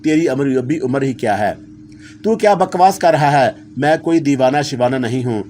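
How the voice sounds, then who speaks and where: A man's voice: medium pitch, animated, moderate pace, a little mellow, a little hiss or hum, close to an everyday voice. A man voicing a stubborn schoolboy who protests defiantly and loses his temper easily.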